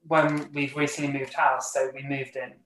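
A man hosting a podcast interview, chatting casually and relaxed, laughing now and then. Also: medium pitch, moderate pace, roomy sound, a little hiss or hum, poor audio. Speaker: podcast host.

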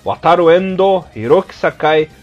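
A man from southern Brazil with a southern Brazilian Portuguese accent, co-hosting a podcast in a casual, patient way, repeating names slowly and now and then slipping into crude jokes. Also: on the high side, darkish tone. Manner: blunt and crude when joking. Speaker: podcast co-host. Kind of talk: casual podcast chat teaching name pronunciation. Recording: dull lo-fi podcast audio with faint music.

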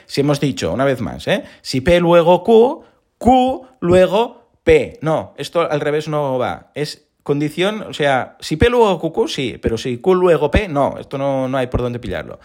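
Male podcast host, animated, pitch swings widely, slightly hoarse, talks straight to listeners. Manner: lively, animated explaining with rhetorical questions. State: recovering from hoarseness. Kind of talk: casual explanatory monologue.

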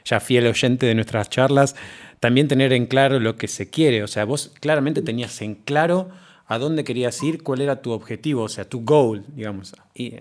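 A man's voice: mid-range voice, moderate pace. Man hosting. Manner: relaxed, hesitant, many fillers. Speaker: podcast host. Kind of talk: casual interview conversation.

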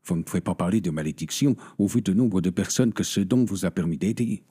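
Guy doing a calm old-school priest, deep dark husky voice, soothing. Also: fairly quick. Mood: consoling. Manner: calm and consoling. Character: gentle older male parish priest, devout. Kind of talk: audio drama acting.

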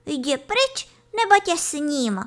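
A woman's voice: extremely high pitch, pitched above the performer's own voice. A woman voicing a timid, whiny young male goat kid in a storybook reading, with a plaintive, complaining manner. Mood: agitated.

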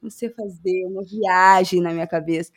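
A woman's voice: on the low side, fairly quick. Chatty Brazilian woman telling stories. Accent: Brazilian Portuguese. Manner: animated, self-mocking storytelling. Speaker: podcast co-host. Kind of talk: casual chat.

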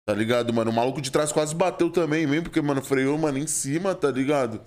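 A man's voice: a little high, quick pace, a little mellow. A man with a São Paulo accent in casual chat, telling heated, slangy stories full of "mano" and "irmão". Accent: São Paulo Portuguese.

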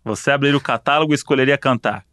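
Brief: male co-host, mid pitch, teasing and jokey, dry close sound. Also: rapid-fire, fairly bright tone, no room sound. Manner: playful, joking, teasing. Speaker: podcast co-host. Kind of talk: casual chat, reading quiz options.

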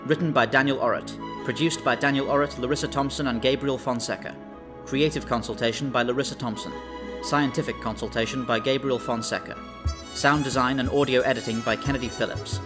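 Guy reading show credits like an announcer, normal pitch, music behind him. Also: steady tone, a little fast, hardly any pauses. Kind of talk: scripted credits narration. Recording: voice over string music.

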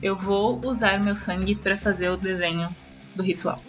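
A woman's voice: mid-range voice, fairly even intonation, normal speed. A woman playing a tabletop roleplay game, switching between describing her actions and speaking in character. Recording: muffled, under loud music.

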